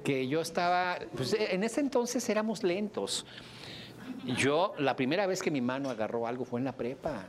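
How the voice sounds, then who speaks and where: A middle-aged man with a Mexican Spanish accent, lecturing a class in a joking, animated way with sudden high exclamations. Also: normal speed, a crowd in the background. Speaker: instructor.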